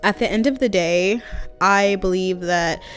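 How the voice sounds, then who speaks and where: With music in the background, a woman speaks at a medium pitch with an American accent. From Texas. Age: 20s. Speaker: content creator. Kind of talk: casual talk to camera.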